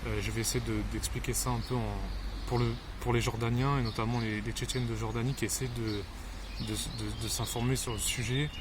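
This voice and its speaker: A man's voice: medium pitch, level tone, a little fast, noisy background. A man giving unscripted commentary, hesitant, with many fillers and repeated words. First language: not Arabic.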